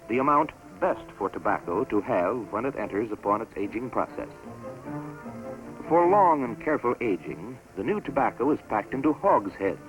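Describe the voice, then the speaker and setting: A man giving scripted narration for a promotional documentary film in a measured, stately announcer delivery. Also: mid-range voice, poor audio. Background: orchestral music score.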